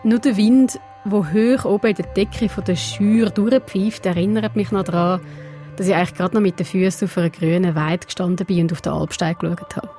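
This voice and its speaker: Portuguese-native woman telling a radio story, mid pitch, faint music in the back. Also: steady tone, brisk, warm tone. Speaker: radio reporter and presenter. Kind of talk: scripted narration with reportage.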